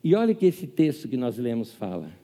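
A man's voice: medium pitch, a little fast, long reverb tail. A man preaching a sermon, telling stories and acting out the voices of the people in them. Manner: animated, acts out quoted voices. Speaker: pastor. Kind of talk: sermon with storytelling.

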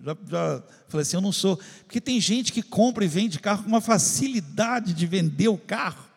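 High, gravelly-voiced preacher man. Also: expressive, moderate pace, long reverb tail. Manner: storytelling, acting out his own prayers and talks. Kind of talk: sermon testimony to a congregation.

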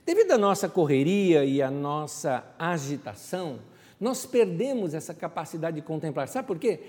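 A male pastor gives a relaxed, conversational sermon, often turning to his listeners with questions. His voice is mellow and warm-toned. It rings with a long reverb, as in a church hall. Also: fairly high pitch, moderate pace. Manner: reflective, conversational, rhetorical questions.

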